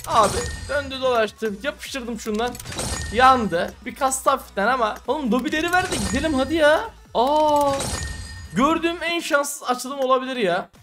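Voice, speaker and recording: A man's voice: very high-pitched, lively intonation, moderate pace. A young man commenting casually on a mobile game, exasperated and cursing at his bad luck. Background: music.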